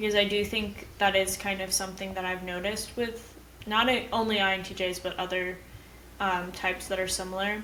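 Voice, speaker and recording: Talking at a fairly quick pace, a woman with medium pitch and monotone, flat intonation is heard with audible room echo and noticeable background noise. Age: 30s. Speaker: YouTuber. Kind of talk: casual chat.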